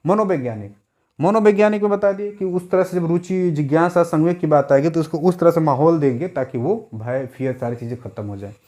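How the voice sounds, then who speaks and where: A man's voice: fairly high pitch, fairly quick, dark tone. A young adult male teacher giving an exam-prep lecture, repeating key words and putting rhetorical questions to his students.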